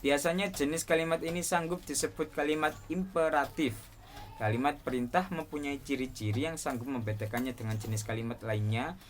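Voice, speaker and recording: A man's voice: fairly high pitch, fairly quick. A young man, a student, reading a class presentation aloud and steadily listing points one by one. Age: young adult.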